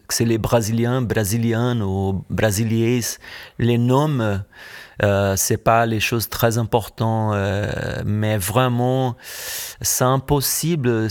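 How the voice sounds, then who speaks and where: A middle-aged Brazilian man, a musician guest in an interview, speaking French as a second language with a Brazilian Portuguese accent, full of fillers and restarts. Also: mid-range voice. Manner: halting non-native French, many fillers and restarts. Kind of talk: interview answers.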